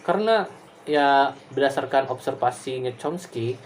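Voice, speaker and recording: Male lecturer, casual digressive delivery, mid pitch, faint noise floor. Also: expressive, measured pace. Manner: casual and digressive, many fillers and tag questions. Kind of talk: recorded class explanation.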